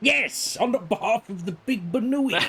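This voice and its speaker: A man does a put-on character voice at a high pitch and a moderate pace. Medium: actual play. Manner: formal, prim.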